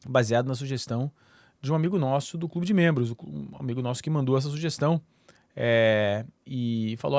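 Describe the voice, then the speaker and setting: A man's voice: a little high, darkish tone, no echo. A middle-aged Brazilian man hosting his own channel, talking casually to the camera and often restarting his sentences with fillers. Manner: rambling, many fillers and restarts. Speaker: YouTube channel host. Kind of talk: casual solo talk to camera.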